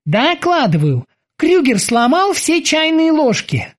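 A woman voicing a timid, eager male bosun who reports in a stiffly formal, drawn-out way. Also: sits high, very animated, pitched above the performer's own voice, full character voice. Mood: formal reporting.

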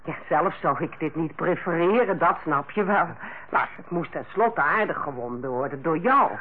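An actress playing a proud, blunt, middle-aged head nurse with a curt, dry manner, in an old radio play. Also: female voice, deep voice, animated, moderate pace, slight background noise. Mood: brisk, friendly. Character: proud, blunt, sharp-tongued female head nurse, an aunt. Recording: dull old radio recording.

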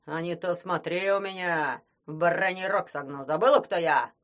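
A man's voice: high voice, moderate pace, a bit bright. A man voicing a greedy, cowardly immortal sorcerer who grumbles and threatens. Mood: grumbling. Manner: grumbling, menacing.

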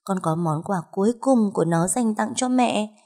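A woman voicing a menacing ghost child who whispers and wheedles in a thin, high child's voice. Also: normal speed, dark tone, natural voice. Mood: eerie, clingy.

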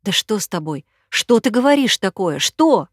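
A woman's voice: mid-range voice, sing-song, normal speed, no room sound. An anxious man presses urgent questions, as a woman reader voices him, his tone turning menacing. The audiobook sound is dry and close. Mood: worried.

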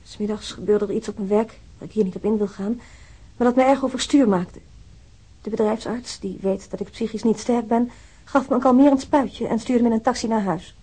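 A woman playing a nervous, fragile widowed mother in a radio drama, giving a formal, earnest account in a dark, husky voice. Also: a little high, fairly quick. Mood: troubled, formal. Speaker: actor. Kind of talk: radio drama, reading a letter.

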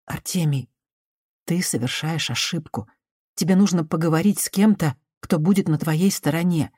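Woman playing a soft-spoken soothing woman. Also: low voice, moderate pace, slightly rough, dry recording, studio quality. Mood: calming. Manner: soft, conciliatory, hushed. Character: cautious gentle woman, soothing and patient.

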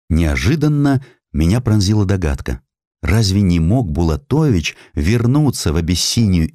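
A man reading a scripted historical sketch as an audiobook narrator, in an expressive, dramatic storytelling manner. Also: low-pitched, dry recording, clean studio sound. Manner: expressive storytelling, acting out quoted speech.

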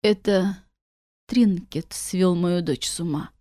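A woman voicing a stern, grieving old grandmother in an audiobook, speaking in a hushed, half-whispered, bitter way. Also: lowish voice, slow, no room sound, studio quality. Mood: anxious.

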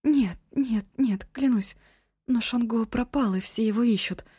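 Woman voicing a high, anxious young woman. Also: measured pace, husky, no room sound, studio quality. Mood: pleading. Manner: anxious, cautious, rising to shouts.

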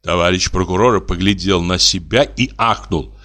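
A man narrating a classic short story as an audiobook, with expressive storytelling. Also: low voice, moderate pace.

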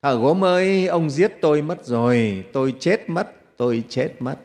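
A monk putting on a wailing panicked treasurer. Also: male voice, a little high, normal speed, warm tone, lightly acted. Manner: wailing, anguished cries. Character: panicked wealthy treasurer, man, wailing in despair. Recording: long hall reverb.

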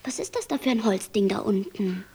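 An actress playing a naive, questioning black angel in a German radio play, simple, wondering and gently reproachful. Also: female voice, mid-range voice, a little fast, breathy edge. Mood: curious.

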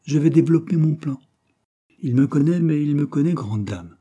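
A man's voice: on the high side, lively intonation, normal speed, warm tone, breathy edge, pitched above the performer's own voice. A man voicing a young noble woman, a passionate gypsy queen, in an audiobook reading, with a raised, confiding manner. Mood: scheming. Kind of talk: audiobook character voice.

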